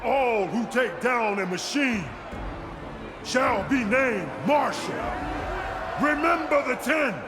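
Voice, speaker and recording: A booming tribal chief. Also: male voice, animated, slow, music in the background, heavily acted. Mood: rousing. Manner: booming proclamations, shouted to a crowd. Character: commanding male tribal chief rallying warriors. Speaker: tribal leader addressing a crowd. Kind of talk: video game cutscene acting. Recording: game audio with loud crowd and noise.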